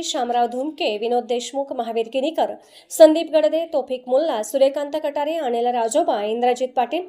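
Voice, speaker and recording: A woman reads scripted news narration. Her voice sits high and has a soft, mellow tone. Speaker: news reader.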